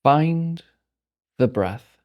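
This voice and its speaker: A man leading a guided meditation as a teacher, speaking calmly and unhurriedly with long pauses. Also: a little high, dull audio.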